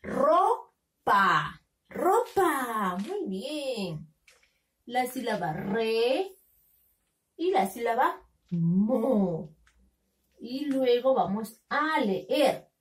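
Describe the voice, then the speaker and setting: A woman teaching a phonics lesson to young children, sounding out syllables slowly and coaxing them with questions. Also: fairly high pitch, very animated, a little mellow, distant mic. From Peru. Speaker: kindergarten teacher.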